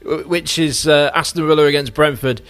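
A man's voice: a little high, fairly even intonation, moderate pace, fairly bright tone, faint music behind. A man presenting a local radio sport slot, chatty and teasing, with plenty of ums and restarts. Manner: chatty, teasing, loose with fillers. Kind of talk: hosting a football predictions segment.

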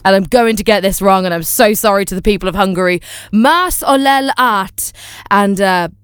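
A young woman hosting a music radio show, chatty and enthusiastic, often pausing on fillers and apologizing for names she might mispronounce. Her voice is smooth and clear, recorded close and dry with no room sound. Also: mid-range voice, dry recording. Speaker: radio presenter. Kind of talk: casual radio chat.

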